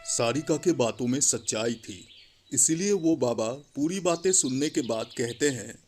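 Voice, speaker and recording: A man's voice: mid-range voice, lively intonation, normal speed, darkish tone, a little hiss or hum. A man narrating a scripted children's story in a dramatic storytelling manner.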